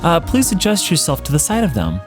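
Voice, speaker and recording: Man putting on a gentle, high-pitched motherly monster lady. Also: wildly swooping pitch, brisk, soft background music. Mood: formal, instructive. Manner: formal, careful, reassuring phrasing. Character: gentle motherly female monster caretaker, doting and formal. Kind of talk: game dialogue read-along.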